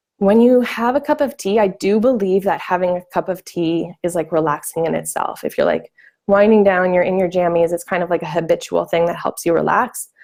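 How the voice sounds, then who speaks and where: Speaking at a fairly quick clip with hardly any pauses, a woman uses a medium pitch with ordinary rise and fall. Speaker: nutritionist. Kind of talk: live stream talk. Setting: live stream on social media. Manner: fast.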